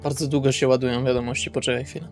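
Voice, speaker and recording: A man's voice: mid-range voice, level tone, very fast, darkish tone. A man chatting casually and a little hesitantly in character as a player in a tabletop roleplaying session. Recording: music bed under the voice. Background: background music.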